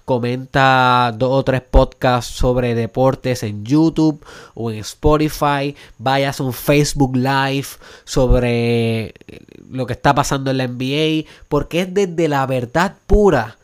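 Emphatic Puerto Rican podcast host. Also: male voice, mid-range voice, slow, clean tone. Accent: Puerto Rican Spanish. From Puerto Rico. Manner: emphatic, rising to urgent rhetorical questions; drops English words into Spanish. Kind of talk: motivational podcast monologue.

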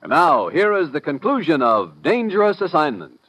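Dramatic, very animated American radio announcer. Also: male voice, on the high side, normal speed, over loud music. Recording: muffled vintage radio recording.

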